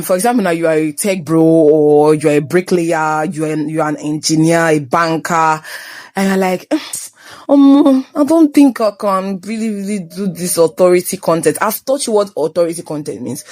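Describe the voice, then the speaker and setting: A woman's voice: lowish voice, darkish tone, dry recording. A young woman with a Nigerian accent hosting a motivational talk, moving between English and Pidgin, teasing and scolding her listeners. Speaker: host. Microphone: phone.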